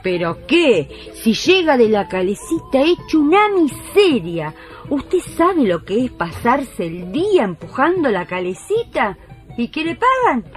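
An actress playing a skeptical, complaining working-class Argentine wife in radio theatre, wry, colloquial and exasperated. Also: female voice, sits high, big pitch swings, measured pace, soft background music.

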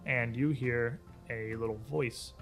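A man's voice: medium pitch, slow pace, soft background music. A man narrating a tabletop game as game master, describing scenes informally and off the cuff. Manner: informal, descriptive, animated asides.

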